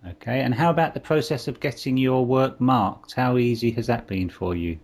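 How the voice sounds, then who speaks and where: A man hosting a podcast, reading a clear scripted intro and asking an interview guest questions. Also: mid-range voice, darkish tone. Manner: clear, deliberate, spells out addresses slowly.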